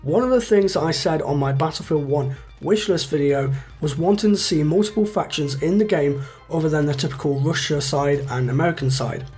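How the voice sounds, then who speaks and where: Husky young man chatting about a game. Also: on the high side, a little fast, a little mellow, soft background music. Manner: chatty, many fillers like "you know" and "like". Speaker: gaming YouTuber. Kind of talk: casual game commentary.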